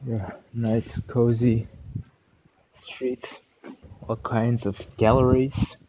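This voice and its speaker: A Flemish man, a Dutch native speaker, narrates a nighttime street walk for a live-stream audience, talking loosely and hedging his answers. His voice is mellow and mid-pitched. The audio is muffled, with faint traffic behind him. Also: level tone, drawn-out words. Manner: chatty, answers viewer questions with hedging. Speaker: walking tour streamer. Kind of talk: casual live-stream walking tour. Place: city streets at night, outdoors.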